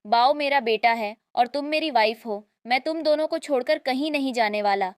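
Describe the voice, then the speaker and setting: A woman's voice: high-pitched, moderate pace, clean tone, dry recording, close to an everyday voice. Woman reading an insistent possessive rich husband.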